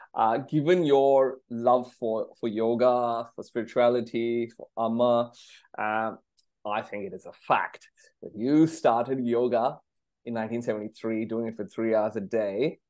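A man talks fairly slowly, and the background stays quiet. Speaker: podcast host and musician. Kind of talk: casual interview. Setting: video call. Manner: enthusiastic. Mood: warm, admiring. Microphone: video call.

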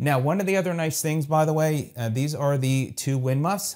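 Dark, mellow tone from a man, with ordinary pitch variation and a quiet background. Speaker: tech reviewer. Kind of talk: product review tutorial. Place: home room.

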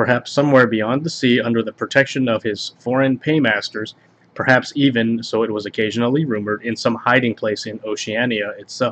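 Using a normal speaking voice, a man talks at medium pitch and a fairly quick pace with fairly even intonation. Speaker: audiobook reader. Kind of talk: literary audiobook reading, steady narration of a novel. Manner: measured, even narrator pace, formal literary delivery; casual and chatty when talking off-book.

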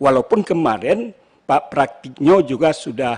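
Over a quiet background, a man with a fairly high pitch speaks at a moderate pace, his voice making very wide pitch swings. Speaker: member of parliament; legislator questioning a minister. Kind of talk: parliamentary questioning. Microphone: podium.

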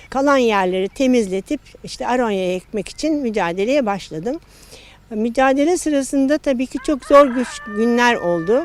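A woman's high voice, with noticeable noise in the background. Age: 80s+. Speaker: aronia farmer. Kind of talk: interview answer.

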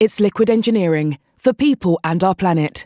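A woman speaks with music in the background. The sound is dry and close, with no echo. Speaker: voice actor. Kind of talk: TV commercial read.

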